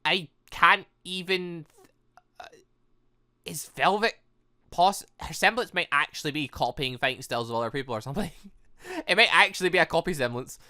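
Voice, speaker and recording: A video host giving casual, excitable, rambling commentary while playing a game. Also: mid-range voice, moderate pace, pauses often. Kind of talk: casual let's play commentary.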